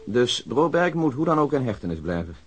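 An actor playing a brisk, shrewd male police investigator in a radio crime drama, assertive and reasoning aloud. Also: mid-range voice, very animated, husky, muffled recording. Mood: brisk, insistent.

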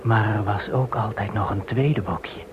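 A man in a radio play acting a devout Jewish man facing deportation, telling things in a solemn, measured way. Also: lowish voice, natural voice. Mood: solemn explaining. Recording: muffled phone-like band, clear hiss.

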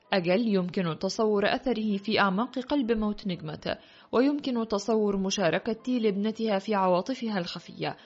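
A woman narrating a literary audiobook in a measured, reflective way. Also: mid-range voice, a little mellow. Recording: dull lo-fi audio with faint music.

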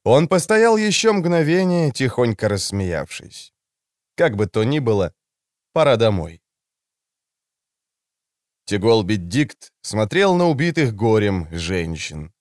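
A man narrating an audiobook in an expressive, wry storytelling manner. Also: medium pitch, slow, long pauses, no room sound, studio quality. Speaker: audiobook reader. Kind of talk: scripted narration.

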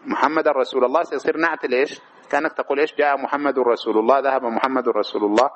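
Racing through a lesson on religious law, a man works through a text line by line, asking himself questions and answering them and modeling right and wrong pronunciations. This Islamic jurisprudence teacher has a medium-pitched, fairly even voice, captured in lo-fi sound.

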